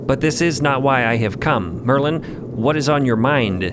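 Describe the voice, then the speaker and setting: A man voicing a formal, veiled supernatural male elder with ornate, measured diction in an audio drama. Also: mid-range voice, animated, noisy background, close to an everyday voice. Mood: solemn, courteous.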